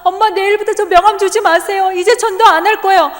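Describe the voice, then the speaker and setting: A woman voicing her young son, who is crying and pleading in a high, sobbing voice. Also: fairly even intonation, fast talker, big-room sound. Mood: tearful.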